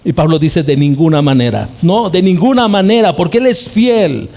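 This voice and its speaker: A man's voice: a little high, expressive, normal speed, creaky, a little mellow. A male pastor from Bolivia preaching a sermon, telling a story and acting out short quoted exchanges.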